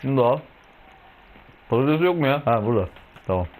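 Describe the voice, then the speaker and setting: This gaming host is a young man who talks a little fast and animatedly in a medium-pitched, darkish voice. He's chatty and rambling, munching food and swearing freely through a casual gameplay video. There's slight background noise on a rough recording.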